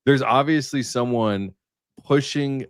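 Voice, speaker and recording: A man's voice: medium pitch, slow, clear, resonant tone, dry recording. A man talking casually as a panelist and content creator on a livestream roundtable.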